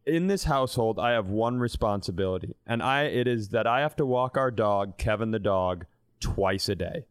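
A man's voice: on the low side, moderate pace, smooth, no echo, studio quality. Comedy podcast co-host: man, thirties, clean resonant voice, casual profane storyteller. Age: 30s. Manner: profane, self-deprecating. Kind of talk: casual comic storytelling and banter.

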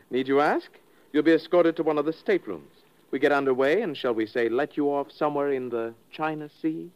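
A man's voice: a little high, fairly quick, a little mellow, smooth, lo-fi sound, close to an everyday voice. A man acting as a suave, smug crime boss in a 1950s radio drama, mock-polite and gloating. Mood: menacing, amused.

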